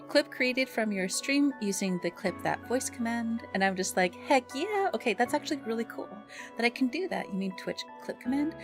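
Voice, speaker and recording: A woman streamer talks casually to her viewers over background music. Her voice sits at an average pitch for a woman. She is expressive and bubbly, with an affectionate way of addressing people. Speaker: live streamer and ASMR content creator. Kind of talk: casual livestream chat with viewers, greeting them and reading messages.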